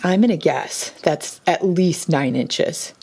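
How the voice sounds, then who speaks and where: Low-voiced chatty woman. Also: slow pace, warm tone, slightly rough. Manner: chatty and rambling, self-correcting. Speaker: vlogger and homeschooling mother. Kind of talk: casual vlog chat. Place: at home indoors.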